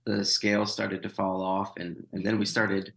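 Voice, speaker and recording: A man's voice: fairly low pitch, completely flat delivery, moderate pace, vocal fry, a bit bright, poor audio. A man in his thirties, a missionary guest in an interview, telling his story with wry humor, many fillers and restarts. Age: 30s. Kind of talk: conversational interview.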